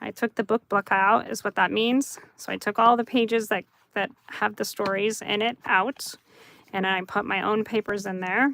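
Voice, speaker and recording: A woman with a bright, sharp tone and a relaxed tone speaks at a moderate pace and medium pitch with fairly even intonation, in a dry, close sound with no echo. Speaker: crafter. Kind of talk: live craft tutorial. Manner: relaxed, hesitant with fillers.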